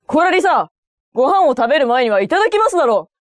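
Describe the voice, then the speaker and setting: A woman playing a stern, indignant scolding parent in a comic lesson sketch, with exaggerated, rapid-fire delivery. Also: sits high, very animated, dry recording, pitched above the performer's own voice.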